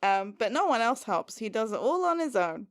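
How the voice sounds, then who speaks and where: A woman co-hosting a podcast, recapping a TV episode in casual chat, animated and sarcastic with frequent laughs. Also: a little high, moderate pace. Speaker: podcast co-host.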